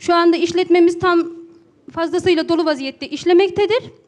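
A woman speaks at an extremely high pitch and a moderate pace. Her intonation is monotone and flat. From Turkey, Tokat; Turkey. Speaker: livestock farmer. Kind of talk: town-hall chat. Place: hall. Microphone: handheld.

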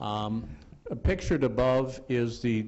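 Recorded with audible room echo, a man at medium pitch speaks at a very slow pace with ordinary pitch variation. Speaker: community club treasurer. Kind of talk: presentation to council. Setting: council chamber. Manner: hesitant, many fillers; loud.

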